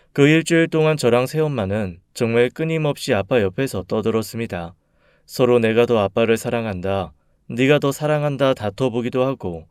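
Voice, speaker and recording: A man narrating a read-aloud personal story in a calm, measured, soft-spoken way. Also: medium pitch, clear, resonant tone, no echo, studio quality.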